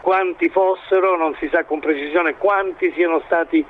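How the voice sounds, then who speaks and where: Higher-voiced man, halting analytical interviewee. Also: steady tone, narrow, tinny audio, a little hiss or hum. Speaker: expert commentator being interviewed. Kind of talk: interview analysis of current affairs.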